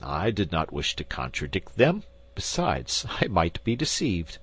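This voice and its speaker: A man reading a calm, aloof musketeer, Athos. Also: low voice, a little slow, slightly rough, full character voice. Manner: quiet, calm, dry. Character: calm, aloof male musketeer around thirty.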